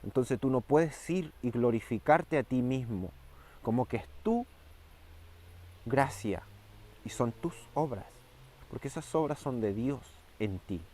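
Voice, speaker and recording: A man preaching a fervent sermon, repeating key phrases and slowing down and rising for emphasis. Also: medium pitch, expressive, mellow, a little hiss or hum.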